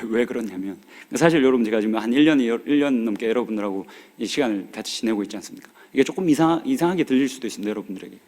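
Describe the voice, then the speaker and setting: A man's voice: medium pitch, darkish tone. A man in his forties, a pastor preaching a sermon, urging and pleading with his congregation in a regional dialect. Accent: Korean regional dialect. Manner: earnest, pleading exhortation with rising urgency. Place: church sanctuary. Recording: long hall reverb of a church.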